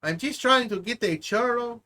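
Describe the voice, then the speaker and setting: A man voicing a crude, boastful Hispanic barbecue guy in an exaggerated put-on Mexican Spanish accent, halting and slangy. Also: very high voice, bright, forceful tone.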